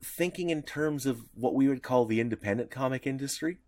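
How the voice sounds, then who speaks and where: A man co-hosting a podcast, explaining at length with many restarts and sudden lifts in pitch. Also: brisk, a little mellow, no room sound, studio quality. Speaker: podcast co-host. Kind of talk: casual podcast discussion.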